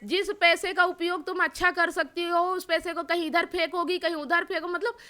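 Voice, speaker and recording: A woman with a very high, bright voice lecturing someone on their life. She scolds in a stern, repetitive way, firing one rhetorical question after another. Her tone stays forceful. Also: flat delivery, normal speed. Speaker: spiritual advisor. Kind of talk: scolding counsel.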